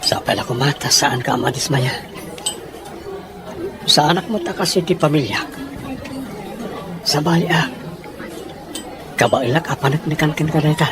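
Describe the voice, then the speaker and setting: A man's voice: fairly high pitch, normal speed, pauses often, lightly acted. A man with a Filipino accent playing a devoted, reassuring young boyfriend in a radio drama. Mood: earnest, reassuring. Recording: noisy ambience with clinking. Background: crowd-like noise, clinks.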